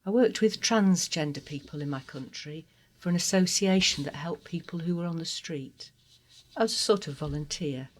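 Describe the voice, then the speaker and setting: A trans woman from Guatemala, a native Spanish speaker, telling her life story in an interview with an earnest, heartfelt, measured manner. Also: low-pitched. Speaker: interview guest. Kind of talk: personal testimony interview.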